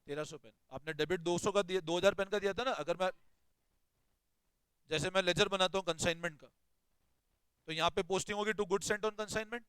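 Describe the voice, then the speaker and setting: A man's voice: high voice, fairly even intonation, moderate pace, long pauses, fairly bright tone, clear, resonant tone, no echo, low-quality recording. A man teaching an accounting class, explaining step by step and questioning his students as he goes. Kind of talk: classroom lecture.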